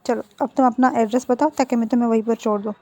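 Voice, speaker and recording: A woman's voice: fairly high pitch, steady tone, racing, dark tone, natural voice. A woman voicing a cold, impatient young man who answers curtly. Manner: curt, dismissive. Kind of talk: storybook dialogue read by a narrator.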